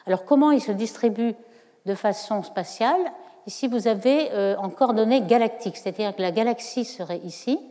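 A woman's voice: on the high side, moderate pace, warm tone. A woman giving a university lecture, explaining step by step with frequent hesitations. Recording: lecture hall reverb.

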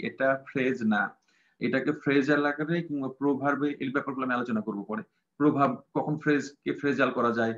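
A man's voice: medium pitch, fairly bright tone. A man teaching an English grammar class, patient and repetitive, with many fillers. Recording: dull lo-fi sound.

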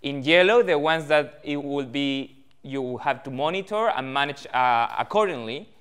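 A man's voice: medium pitch, moderate pace, fairly bright tone, clear, resonant tone. A man in his thirties with a Chilean accent, giving a talk to a room of farmers, friendly and full of fillers. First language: Spanish. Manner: friendly, many fillers, gestures with hands. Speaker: guest speaker, almond research manager. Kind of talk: presentation to growers. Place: meeting hall with audience. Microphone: far camera, no mic seen.

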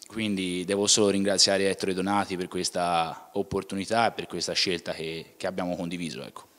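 A man's voice: deep voice, level tone, brisk, a bit bright. A young man, a footballer answering interview questions plainly, often restarting and closing with "ecco". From Tuscany, Italy. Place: indoor club museum room. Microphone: handheld mic. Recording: room with long reverb.

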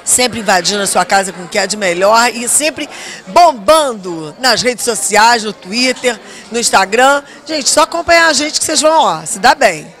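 A woman's voice: a little high, lively intonation, moderate pace, fairly bright tone, a faint crowd. A middle-aged actress chatting backstage into a handheld mic, promoting her upcoming play in a chatty way. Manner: chatty, promotional, stretches words. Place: backstage at a theater, indoors. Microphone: handheld interview mic.

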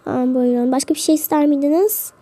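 A woman doing a polite, high-voiced flight attendant. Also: fast, mellow, close to an everyday voice. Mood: courteous. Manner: courteous, formal service phrases. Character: polite female flight attendant serving snacks.

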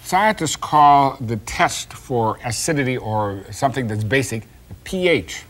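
An older man hosting a science show, patiently explaining an experiment step by step to a child with gentle teasing, recorded on a studio kitchen set. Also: medium pitch, expressive, a little slow.

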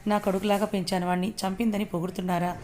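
A woman's voice: mid-range voice, flat delivery, fast, a little mellow, slight background noise, close to an everyday voice. A woman voicing an angry, stubborn older man.

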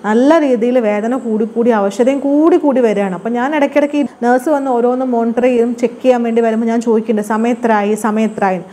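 A woman's voice: on the high side, fairly even intonation, quick pace, hardly any pauses, warm tone. A woman telling her own birth story in a casual vlog, chatty and freely mixing English words into her speech.

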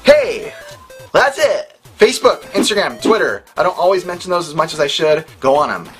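A man's voice: fairly high pitch, big pitch swings, normal speed. Jokey man hosting a retro game vlog. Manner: jokey, loose and rambling. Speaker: host of a retro video game channel. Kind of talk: casual chat. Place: indoors, game shop. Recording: voice over loud background music.

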